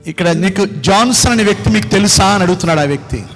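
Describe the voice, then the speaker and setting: A man's voice: sits high, expressive, fast talker, a bit bright, faint music behind. A man preaching as a pastor, retelling a video clip to his congregation in a storytelling way. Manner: storytelling, asks the audience to watch. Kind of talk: Telugu sermon narrating a video clip.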